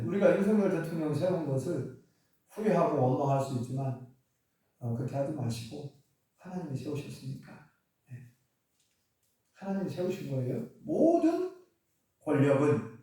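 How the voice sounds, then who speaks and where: Animated preacher in an echoey church. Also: male voice, mid-range voice, moderate pace, pauses often. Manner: animated, storytelling, chuckling asides. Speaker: pastor. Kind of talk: sermon. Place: church sanctuary. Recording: echoey church hall from far off.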